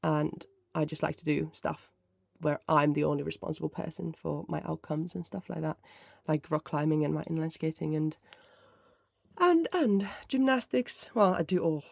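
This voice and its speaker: Mellow gravelly podcaster. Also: medium pitch, no echo, studio quality. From Finland. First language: Finnish. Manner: mellow, rambling, self-correcting. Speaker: podcast host. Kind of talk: casual solo chat answering listener questions.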